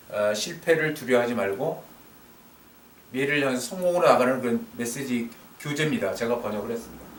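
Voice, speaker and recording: The speech moves at a fairly quick pace, broken by long, frequent pauses. Pitch variation is ordinary, with audible room echo. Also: man, medium pitch for a man. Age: 60s. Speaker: negotiation lecturer. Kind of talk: lecture. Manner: halting.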